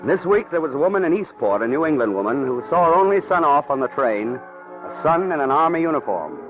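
A man's voice: on the high side, very animated, brisk. A man delivering dramatic scripted narration for an old radio programme. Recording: muffled old radio recording, music.

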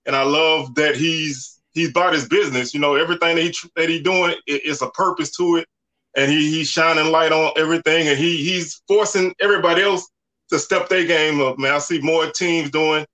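A man in his forties with a drawl, chatting loosely about college football. His voice sits a touch high and sounds bright and forceful. He leans on easy fillers like "you know" and "man.". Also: fairly quick, poor audio. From Southern United States. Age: 40s. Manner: relaxed, conversational, lots of "you know" and "man". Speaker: podcast guest. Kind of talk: casual sports talk.

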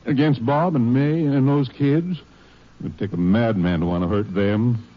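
A man's voice: medium pitch, unhurried, close to an everyday voice. A man acting a distraught, impatient small-town store owner in a 1950s radio drama, emotional and plainspoken. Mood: subdued. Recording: muffled 1950s radio recording.

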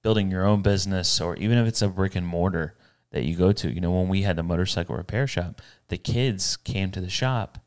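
A man's voice: low-pitched, a little fast, few pauses, clean tone. A middle-aged man co-hosting a casual podcast, talking in a rambling, upbeat way and often restarting his sentences. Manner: rambling, self-correcting, upbeat. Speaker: podcast co-host. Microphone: studio podcast mic.

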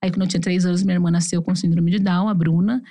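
A woman's voice: on the low side, fairly even intonation, dark tone. A woman from Brazil, a podcast guest telling her personal story candidly and acting out what her family said. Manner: fast, candid, acts out quoted family voices. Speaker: interview guest.

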